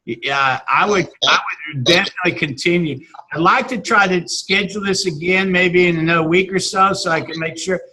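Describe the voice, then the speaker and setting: A man, a teacher chatting casually and haltingly with many restarts and fillers. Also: high-pitched, pushed and bright, husky, poor audio. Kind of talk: casual video-call chat.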